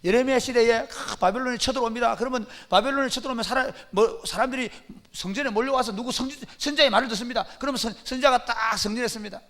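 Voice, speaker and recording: A man's voice: very high voice, fast talker, hardly any pauses, fairly bright tone. A male pastor preaching a sermon at a church service, emphatic and full of rhetorical questions.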